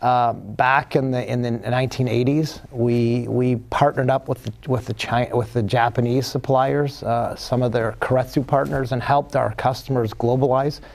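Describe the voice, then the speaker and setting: A man guest on an interview show, speaking with a gravelly, creaky edge. He talks in a hesitant way, full of fillers and restarted phrases. His pitch sits in an ordinary middle range. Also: steady tone, normal speed, few pauses, darkish tone. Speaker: company executive guest. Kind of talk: casual interview answers.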